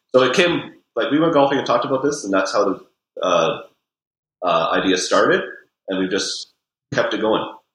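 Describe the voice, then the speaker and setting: Long pauses come often as this man talks. His pace is otherwise moderate. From Okanagan, British Columbia, Canada. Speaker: realtor and podcast host. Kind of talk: casual interview chat.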